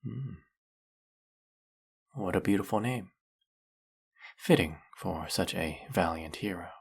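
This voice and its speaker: A man acting in an intimate audio roleplay as a lonely, courteous, smitten snake-headed villain, soft-spoken and flirtatious with a creaky voice. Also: sits low, animated, slow pace, heavily acted. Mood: tender, hopeful.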